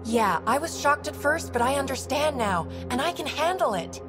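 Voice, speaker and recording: A woman's voice: high-pitched, expressive, normal speed, over music. A woman voicing an eager, defiant young alien little sister in a video game, earnest and defensive. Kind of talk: dramatic video game acting.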